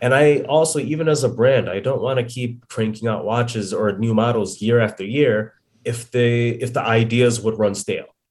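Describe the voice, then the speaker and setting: With an American accent, a man with a medium-pitched, somewhat breathy voice speaks at a moderate pace with fairly even intonation and hardly any pauses. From Chicago. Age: 40s. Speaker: watch brand owner. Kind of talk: interview.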